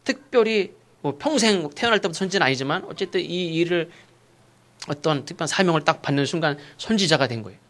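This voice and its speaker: A male pastor preaching a sermon, asking rhetorical questions and acting out sharp rebukes. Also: fairly high pitch, expressive, fast. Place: church sanctuary.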